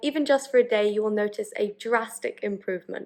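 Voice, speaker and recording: A woman's fairly high voice in an English accent, fairly quick in pace, with fairly even intonation. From England. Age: young. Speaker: prospective medical student. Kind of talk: advice talk to camera.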